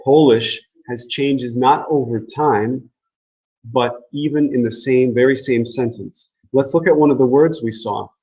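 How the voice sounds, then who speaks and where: A man's voice: medium pitch, unhurried, a little mellow, husky, dull audio. A man giving a casual classroom lecture on language, joking and asking the class questions. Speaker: language teacher.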